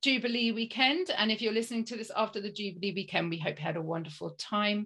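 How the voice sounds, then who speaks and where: A woman's fairly high voice, bright and sharp in tone, with ordinary pitch variation. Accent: British. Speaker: podcast host. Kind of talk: casual interview chat.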